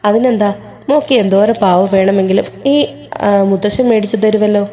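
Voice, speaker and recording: A woman's voice: mid-range voice, fairly even intonation, a little fast, dark tone, natural voice. A woman voicing an old grandfather, kindly with the child and firm and questioning when angered. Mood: comforting.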